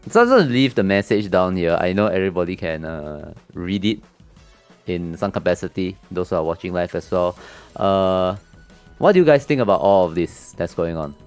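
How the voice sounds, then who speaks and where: Man, low-pitched, loose chatty talk, games show host, faint music. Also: animated, moderate pace, clean tone. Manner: loose, chatty, many fillers and restarts; mocks angry gamers in a high put-on voice. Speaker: podcast host. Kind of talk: casual group chat about games.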